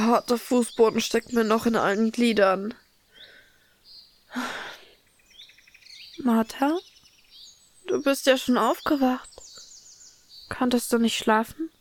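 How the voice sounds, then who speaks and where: A woman's voice: a little high, a little hiss or hum. A woman playing a caring, practical older sister, a medieval peasant girl, in a radio drama. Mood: tired, tender.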